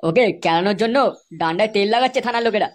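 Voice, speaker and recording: A man voicing a gruff, threatening cartoon police officer with crude, bullying manner, in a pitched-up voice. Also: very fast, music in the background.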